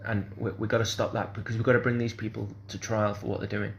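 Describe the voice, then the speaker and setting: Gravelly man rambling to camera. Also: lowish voice, flat delivery, fast, muffled recording, slight background noise. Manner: hesitant, repeats "kind of sort of", restarts often.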